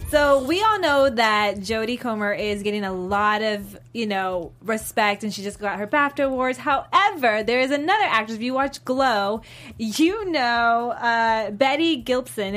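A woman's voice: a little high, a little slow, a bit bright. A woman from Colombia co-hosting a TV review show, sharing entertainment news in an upbeat, gossipy way. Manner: upbeat gossipy delivery, laughs often. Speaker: podcast co-host. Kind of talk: casual TV review chat.

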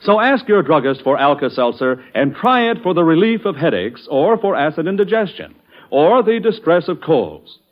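Lively male 1940s radio ad announcer. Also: a little high, normal speed. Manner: polished, persuasive, emphatic. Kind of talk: 1940s radio ad read, smooth sales pitch. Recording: muffled old radio broadcast.

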